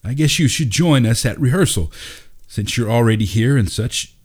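A man's voice: medium pitch, expressive, normal speed, husky, voice pushed up. A man voicing a pompous male drama director in a storybook, with stiff, formal delivery. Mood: softened, sheepish.

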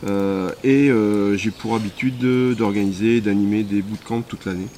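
A man's voice: on the low side, steady tone, normal speed, mellow. A man who leads a volunteer sports group, answering interview questions outdoors in a hesitant way with frequent fillers. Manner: hesitant, many "euh" fillers. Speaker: volunteer sports association president. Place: outdoors at a rural hamlet.

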